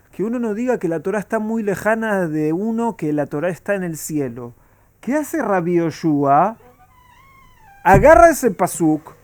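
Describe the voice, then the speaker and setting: High-voiced rabbi teaching a Talmud class. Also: male voice, a little mellow, dry recording. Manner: asks the class rhetorical questions.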